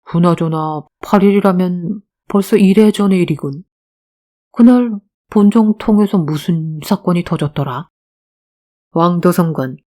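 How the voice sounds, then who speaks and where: A woman voicing a tall, composed young male detective who speaks in a cold, measured way in an audiobook drama. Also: on the low side, a little mellow, close to an everyday voice.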